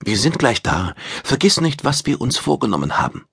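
A man voicing a calm, guarded young woman who speaks in a soft, hushed murmur. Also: mid-range voice, moderate pace, vocal fry, slightly rough, dry recording, studio quality, voice pushed up, full character voice. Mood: hushed urging.

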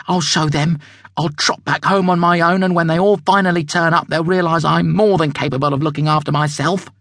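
A man's voice: a little high, fairly even intonation, fairly quick, fairly bright tone, dry recording, clean studio sound, pitched above the performer's own voice. A man voicing a stubborn, whiny young male zebra in a storybook reading, petulant and snappy. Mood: defiant.

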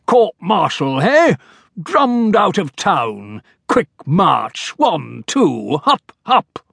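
A man's voice: fairly high pitch, big pitch swings, extremely slow, creaky, a bit bright, breathy edge, no room sound, clean studio sound, voice pushed up, exaggerated voice. A man voicing a blustering old male general who barks military orders. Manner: barking, blustering.

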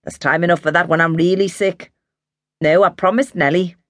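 A woman's voice: on the low side, fairly even intonation, normal speed, dry recording, natural voice. A cranky, stubborn older woman who refuses to give in to feeling ill, as a woman reading a story puts her on. She speaks with a short, grumbling edge. The sound is close and dry. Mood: cross, weary. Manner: cross, stubborn.

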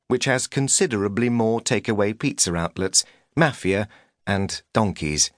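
Low-pitched man narrating, close and dry. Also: no echo. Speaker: audiobook narrator. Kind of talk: scripted narration of a humorous memoir.

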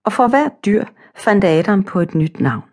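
A woman narrating a children's storybook audiobook in a calm, simple, measured way. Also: mid-range voice.

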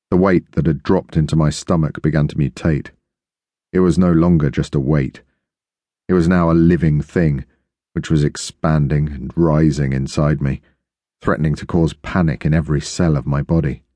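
A man narrating an audiobook in the first person, steady and measured. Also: rumbling low, no room sound.

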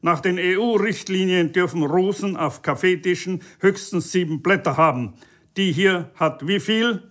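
A man reading an audiobook and voicing a pompous, shouting male EU police officer who barks orders in a raised, high voice. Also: fairly even intonation, a little slow. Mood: barking, officious. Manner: bellowing, officious, self-important.

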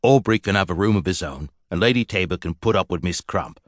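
A man voicing a rough-edged, plain-spoken husband who brooks no argument. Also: deep voice, expressive, fairly quick, no room sound, clean studio sound. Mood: blunt. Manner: blunt, gruff, plain-spoken. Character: blunt, rough-edged self-made husband.

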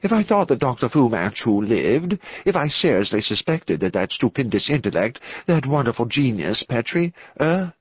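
A man voicing a nervous, excitable clergyman in an audiobook, hesitant and emphatic, in a slightly dull recording. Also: mid-range voice, moderate pace, hardly any pauses, slightly rough, no room sound. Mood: grave, intense. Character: nervous, excitable clergyman with truculent fierce energy. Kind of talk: audiobook character acting.

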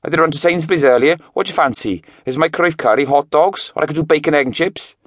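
A man's voice: mid-range voice, lively intonation, a little fast, no echo, clean studio sound, voice pushed up, lightly acted. A man voicing a skinny, tetchy Welsh teenage boy with a cheeky, teasing manner. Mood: eager.

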